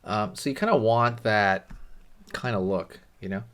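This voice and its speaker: A man's voice: fairly low pitch, unhurried, fairly bright tone. A man hosting a casual drawing tutorial, talking loosely with lots of fillers and friendly asides while he draws.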